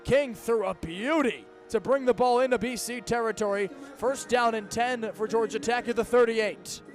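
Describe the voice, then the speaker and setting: A young American man with a high voice does live football play-by-play for radio. His phrasing is crisp and packed with detail. Faint music sits behind him. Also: moderate pace. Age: 20s. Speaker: play-by-play sports announcer.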